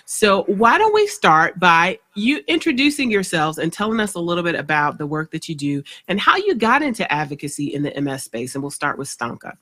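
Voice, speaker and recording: A bright, forceful woman hosts an interview over a video call. She sounds upbeat and enthusiastic, with a voice pitched a little low. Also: big pitch swings, fairly quick, hardly any pauses. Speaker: podcast host.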